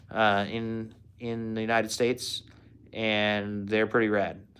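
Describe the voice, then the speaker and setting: A man with a West Coast American accent, a relaxed tone and a bright, sharp tone, on a very clean recording with a silent background. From California, US West Coast. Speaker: off-road vehicle YouTuber. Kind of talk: live stream Q&A with chat. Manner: casual, relaxed.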